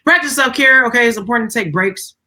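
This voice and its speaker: A woman's voice: a little high, quick pace, bright, forceful tone. A woman host with an African American English accent, chatting casually and motivationally, emphatic and often checking in with the listener. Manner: emphatic, repeats phrases, frequently checks in with "right?" and "okay?". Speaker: podcast host.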